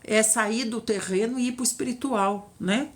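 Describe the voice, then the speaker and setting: A Brazilian woman in middle age teaches scripture in a relaxed, conversational way. Her voice sits a little high, and she keeps her listeners close with frequent little check-ins as she retells the story. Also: normal speed. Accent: Brazilian Portuguese. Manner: chatty storytelling, tag questions, lively retelling. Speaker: Bible teacher. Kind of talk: informal Bible study teaching.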